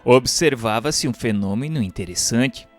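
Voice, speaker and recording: A man reading scripted narration in a formal, solemn, measured manner. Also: medium pitch, lively intonation. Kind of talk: scripted audiobook-style narration of a spiritual history text. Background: instrumental music.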